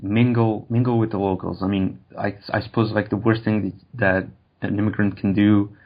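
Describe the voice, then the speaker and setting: A man's voice: lowish voice, level tone, normal speed, highs cut off. A man in casual conversation as a guest, speaking hesitantly and searching for his words. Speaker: interview guest.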